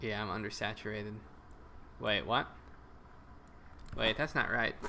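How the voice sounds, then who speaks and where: With an American accent, a man speaks at a moderate pace in a fairly low pitch, his tone bright and sharp with vocal fry. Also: ordinary pitch variation. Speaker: game modder and streamer. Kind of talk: casual live stream while playing and debugging. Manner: animated.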